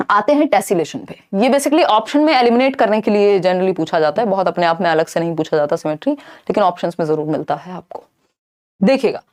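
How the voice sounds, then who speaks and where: A young woman with a low, darkish voice teaches an exam-prep lesson in Hindi mixed with English terms, explaining through rhetorical questions she asks and answers herself.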